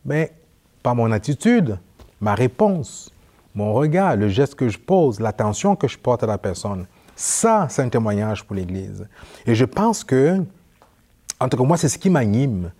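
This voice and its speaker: A man's voice: mid-range voice, a little slow. Young quebec priest guy chatting on a talk show, swings into little voices for his stories. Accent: Quebec French. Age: young adult. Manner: animated, acts out dialogue in anecdotes. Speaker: priest guest. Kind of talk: casual interview storytelling.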